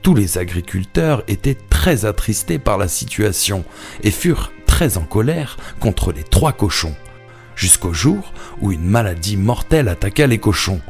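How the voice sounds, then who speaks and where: A man's voice: fairly low pitch, darkish tone. A man narrating a children's cartoon fable as a scripted storyteller. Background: background music.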